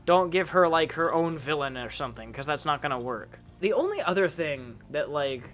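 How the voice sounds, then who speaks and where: A man's voice: on the high side, lively intonation, moderate pace, a bit bright, faint music behind. A young man hosting a casual chat, rambling with lots of fillers and restarts. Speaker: channel host.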